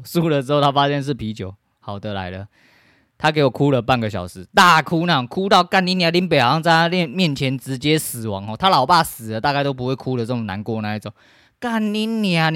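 A man's voice: medium pitch, dry recording, clean studio sound. Angry, foul-mouthed Taiwanese man ranting. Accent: Taiwanese Mandarin. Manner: swears constantly, shouts in bursts of anger. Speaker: podcast host. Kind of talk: profane solo rant.

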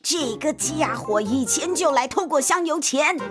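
Woman playing a grumpy old temple keeper, scolding, indignant, high-pitched, music behind. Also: lively intonation, a little slow. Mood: accusing.

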